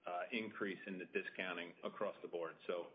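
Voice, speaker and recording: A man's voice: deep voice, steady tone, normal speed. A man speaking as a finance executive, giving business answers on a conference call. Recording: muffled audio with background noise.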